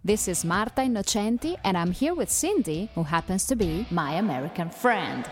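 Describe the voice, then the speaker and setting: A woman's voice: mid-range voice, very animated, moderate pace, soft background music. A woman hosting an English-learning podcast, talking in an upbeat, teacherly way. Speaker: podcast host.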